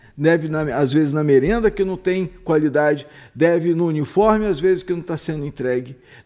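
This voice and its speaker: At a moderate pace, a man talks in a dark, mellow tone with fairly high pitch and ordinary pitch variation. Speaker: mayoral pre-candidate. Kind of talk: political interview.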